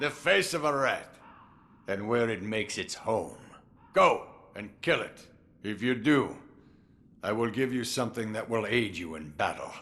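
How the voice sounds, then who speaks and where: Using a put-on character voice, a man with a medium pitch speaks at a moderate pace with lively intonation and long, frequent pauses. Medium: video game. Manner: wry, chuckling.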